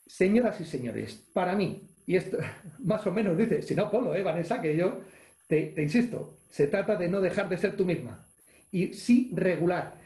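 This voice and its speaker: Spanish-male coach, online webinar, energetic and demonstrative, warm mellow tone, roomy echo over a video call. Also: sits high, normal speed. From Spain. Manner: energetic, acts out gestures and exclamations, reads chat questions aloud. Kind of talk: live online leadership webinar.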